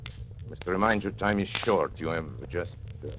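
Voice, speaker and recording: An actor playing a sinister agent who narrates and taunts powerful men in theatrical 1940s radio acting. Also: male voice, deep voice, moderate pace, fairly bright tone, a little hiss or hum. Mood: menacing. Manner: menacing, mocking, theatrical. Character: sinister male confidential agent turned blackmailer.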